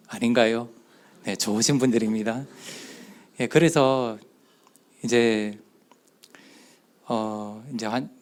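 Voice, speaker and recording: A man's voice: medium pitch, darkish tone. Man with a Gyeongsang accent telling a story. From southeastern Korea. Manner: storytelling, acting out quoted dialogue; speaks in short spoken phrases. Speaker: church elder giving a talk at a youth retreat. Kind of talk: testimony talk.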